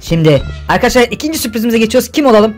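A man's voice: very high voice, very animated, rapid-fire, soft background music. A man hosting a gaming channel, commenting on gameplay in a playful, teasing way. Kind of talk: gameplay commentary with role-play.

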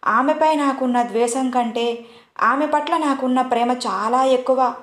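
A woman's voice: a little high, close to an everyday voice. A woman voicing a stern young male boss, blunt and scolding. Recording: roomy echo.

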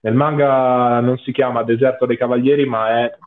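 A man's voice: medium pitch, flat delivery, moderate pace. Man on a phone-like video call. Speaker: panelist on anime watch-along. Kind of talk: casual live commentary. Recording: muffled narrow-band video call audio.

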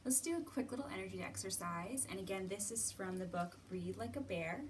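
A woman in her thirties gently guiding young children through a lesson, asking simple encouraging questions and pausing often. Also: mid-range voice, lively intonation. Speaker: children's storytime host. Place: indoor library room with bookshelves. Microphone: camera a few feet away. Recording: distant mic, roomy ambient noise.

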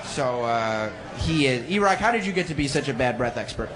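A man working as a warm-up host on stage, bantering casually and teasing the people around him. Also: medium pitch, lively intonation, brisk, rough recording. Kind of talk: live crowd hosting, casual banter. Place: stage at a live event. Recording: live venue with crowd noise. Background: audience noise.

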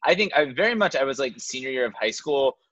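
A man's voice: mid-range voice, big pitch swings, fast, fairly bright tone, no room sound, lo-fi sound. A man in his thirties chatting casually as a guest on a video call from his living room. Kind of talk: casual chat. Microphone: computer mic on a video call.

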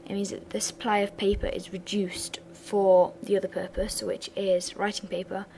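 A young woman with a slightly raspy voice from a sore throat, talking through a revision lesson in a flat, bored-sounding way with chatty asides. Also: medium pitch, moderate pace, a little hiss or hum. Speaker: revision channel host. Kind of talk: casual revision lesson voice-over.

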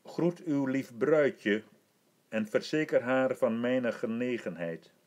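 A man reading an audiobook, voicing a gracious, commanding older emperor who speaks in a formal, measured way. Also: mid-range voice, darkish tone, lightly acted. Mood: stately.

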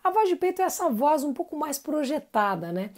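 A woman's voice: high-pitched, sing-song, brisk. A woman giving a live-streamed singing lesson, chatty and encouraging, greeting viewers by name between explanations. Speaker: singing teacher.

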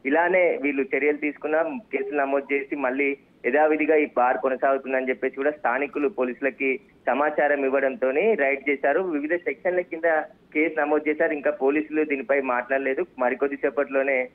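Guy reporter calling in, phone-line sound, kinda rambly with lots of uh pauses. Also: mid-range voice, fairly even intonation. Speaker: field reporter.

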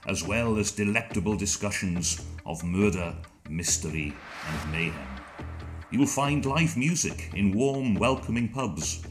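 Male promo read, low-ish and inviting, over a clear music bed. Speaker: promo narrator.

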